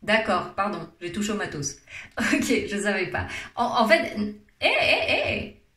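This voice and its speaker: A woman's voice: medium pitch, very animated, a little slow, sharp tone. A woman with a French accent doing a playful, theatrical comic monologue, teasing and laughing often. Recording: roomy echo.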